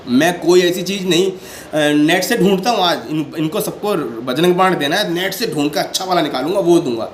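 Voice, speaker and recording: A man with a slightly high voice gives a casual devotional talk, earnest and a little defensive as he explains himself at length. He keeps checking in with his listeners as he goes. His phone picks him up in a roomy, echoing space with a faint hiss of noise behind him. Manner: often repeats "ठीक है" to check in with listeners. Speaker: devotional channel host. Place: sitting indoors. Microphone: handheld phone without stand. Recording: echoey room with faint background noise.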